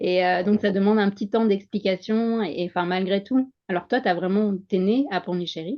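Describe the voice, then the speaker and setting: A woman with an unremarkable speaking voice talks at a moderate pace and medium pitch, with ordinary pitch variation and hardly any pauses. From India. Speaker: podcast host, former doctor. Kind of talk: podcast interview.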